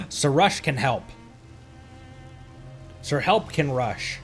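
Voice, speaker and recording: Animated man streaming a video game. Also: on the high side, extremely slow, vocal fry. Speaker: livestream host playing a video game. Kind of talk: casual gaming commentary to a live chat. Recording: game music behind. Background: video game music.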